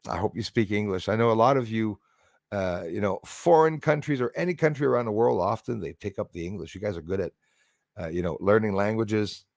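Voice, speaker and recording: A man's voice: lowish voice, a little fast, vocal fry, no room sound, clean studio sound. A man hosting a livestream, talking in a rambling, chummy, conversational way to his viewers. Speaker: livestream host greeting viewers in chat. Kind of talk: casual livestream chat.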